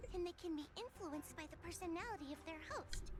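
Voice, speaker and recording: A woman puts on a character voice with an extremely high pitch. Background noise is clearly audible. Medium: video game.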